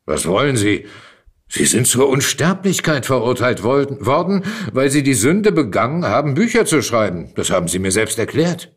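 Guy reading as bitter dead novelist, argues hard, pointed and combative, really animated pitch. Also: moderate pace, husky. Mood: bitter, accusing. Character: Hemingway, dead American writer, bitter, argumentative, challenging man. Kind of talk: dramatic literary reading.

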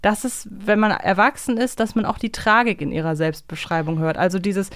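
A woman's voice: medium pitch, steady tone, a little fast, fairly bright tone, no room sound. A young adult woman co-hosting a podcast in a casual, reflective, conversational way. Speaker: podcast co-host. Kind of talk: casual fan podcast chat.

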